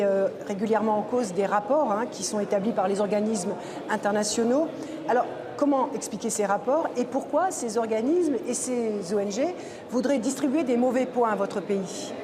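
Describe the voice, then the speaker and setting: A woman's voice: fairly high pitch, background noise. A woman hosting a broadcast interview, asking probing questions with some hesitation. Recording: long reverb, crowd behind.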